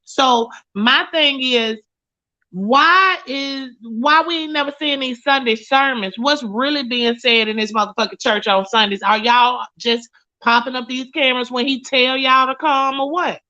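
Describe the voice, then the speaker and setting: A blunt, profane woman in her late 30s from Mississippi hosts a casual talk show, her voice high, bright and pushed but unhurried. The audio is lo-fi stream quality.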